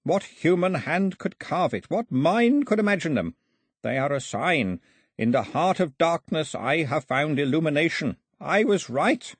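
A man's voice: on the high side, very animated, normal speed, hardly any pauses, breathy edge, dry recording, clean studio sound, voice pushed up, exaggerated voice. A man voicing a zealous old priest in an audiobook, breathless and wheezy, declaiming with fervour. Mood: triumphant awe. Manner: declamatory, fervent. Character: zealous old male priest, triumphant, gasping.

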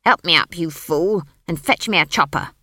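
A woman voicing a stern old country witch in an audiobook story, brisk, snapping and short-tempered. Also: lowish voice, sing-song, bright, forceful tone, no room sound, studio quality, full character voice. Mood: exasperated, commanding.

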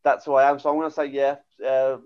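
A man's voice: mid-range voice, flat delivery, fast talker, smooth. A man with a Birmingham accent chatting casually as a podcast co-host, rambling and hesitant with lots of fillers. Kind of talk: casual chat. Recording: dull lo-fi sound.

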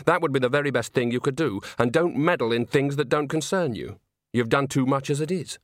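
A man's voice: medium pitch, fairly quick, no echo, studio quality, natural voice. A man reading a storybook, voicing a guarded, sneering male undercover policeman in a cool, challenging manner. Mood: menacing.

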